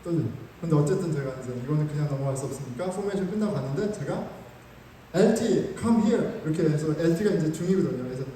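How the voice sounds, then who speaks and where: Man, pastor, sermon, mellow voice, animated storyteller, far from mic, faint ambience. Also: a little high, racing, hardly any pauses, a little hiss or hum. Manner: animated storytelling with self-mocking humor. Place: church sanctuary. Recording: echoey hall, mic far off.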